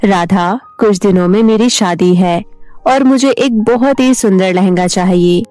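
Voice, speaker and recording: A woman voicing a gentle young fairy bride who asks politely for help, in an animated storybook. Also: mid-range voice, measured pace, no echo, faint music behind, lightly acted. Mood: pleading. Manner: soft, polite and pleading. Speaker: voice-over artist.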